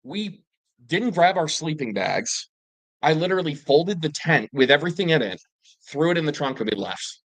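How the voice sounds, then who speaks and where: A man telling his own eerie wilderness encounters in a casual, rambling way, with fillers and restarts and excited bursts when he quotes himself. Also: fairly high pitch, normal speed, no room sound, low-quality recording. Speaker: panel guest telling paranormal encounters. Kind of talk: casual storytelling.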